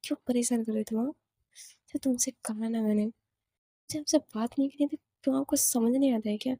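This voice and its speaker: A woman's voice: a little high, steady tone, a little fast, no room sound, studio quality. A woman voicing a firm young female college student who sharply tells off an unwanted admirer. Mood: scolding. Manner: sharp, scolding.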